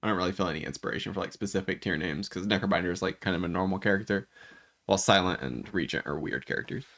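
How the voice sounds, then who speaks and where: A man's voice: deep voice, fast talker, gravelly, a bit bright. A man who is a gaming YouTuber, casually thinking aloud as he ranks game cards, his voice worn from illness and his speech full of restarts. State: voice worn from illness, occasional coughs. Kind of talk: casual commentary while ranking game cards.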